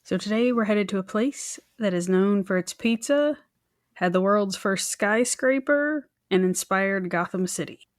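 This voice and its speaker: A woman's voice: mid-range voice, animated, unhurried, dry recording, clean studio sound. A woman co-hosting a true crime podcast, telling the story in a chatty, informal way with wry, joking asides. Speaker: podcast co-host presenting the case.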